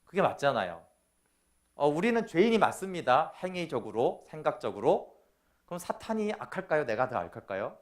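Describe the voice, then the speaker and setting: Lively-voiced male pastor preaching. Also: fairly high pitch, fairly quick. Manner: animated, acts out quoted voices, asks the congregation questions. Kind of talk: sermon.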